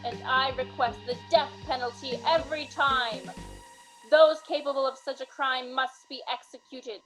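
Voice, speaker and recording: A woman acting a fanatical, murderous judge in a radio drama, grandiose and deliberate as she preaches. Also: sits high, fairly even intonation, fairly bright tone, soft background music, poor audio. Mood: fervent. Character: fanatical, murderous vigilante judge, coldly righteous.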